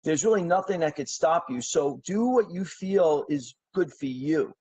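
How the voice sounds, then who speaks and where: A man's voice: on the high side, lively intonation, normal speed, warm tone, slightly rough, no room sound, rough recording. A middle-aged man from New York City, a podcast guest who tells long stories in a rambling, talkative way, full of fillers and restarts. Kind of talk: casual interview storytelling.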